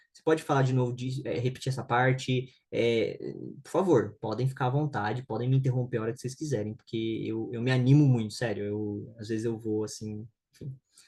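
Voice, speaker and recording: A somewhat breathy voice with a dark, mellow tone moves at a fairly quick pace, its loudness swinging widely. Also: man, medium pitch for a man. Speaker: Bible teacher. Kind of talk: lecture. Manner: fast; animated.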